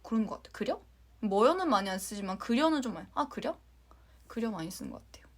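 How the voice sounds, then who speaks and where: A young woman from Jeonju with a light Jeolla accent, chatting casually with fans on a livestream, giggling and sometimes dropping into a soft whisper. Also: fairly high pitch, expressive, fast. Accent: light Jeolla Korean. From Jeonju, Korea. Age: young adult. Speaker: idol livestream host.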